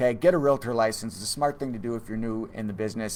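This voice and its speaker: Words pour out of a man at a very fast pace. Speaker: real estate investing coach. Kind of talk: live stream training lecture. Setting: livestream.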